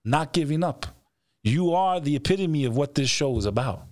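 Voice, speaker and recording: Blunt, profane and emphatic, a middle-aged show host offers motivational interview talk, repeating phrases for weight. His voice is a little high and a little mellow, animated, at normal speed. The studio-quality recording, made on a close stand mic during a video call from an indoor studio, has no echo.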